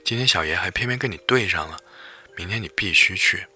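A man's voice: low voice, fairly quick, bright, forceful tone, slightly rough, soft background music, heavily acted. A man voicing an arrogant, impatient young man who bosses people around with rude, mocking talk. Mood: cocky.

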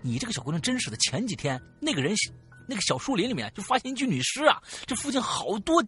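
A man voicing an older male factory security guard who chides in a low, husky tone. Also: sing-song, quick pace, sharp tone, faint music behind, exaggerated voice. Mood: chiding.

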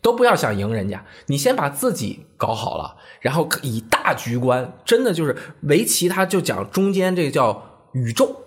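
Man, 30s, from Hebei, podcast co-host, animated storyteller, wide pitch swings. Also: normal speed. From Hebei, China. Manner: animated storyteller, acts out quoted voices. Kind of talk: casual chat, storytelling.

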